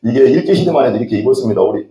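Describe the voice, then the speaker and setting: A man's voice: mid-range voice, animated, very fast, warm tone. A middle-aged man preaching a sermon as a pastor, telling rambling folksy stories from the pulpit. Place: church sanctuary. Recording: echoey church hall.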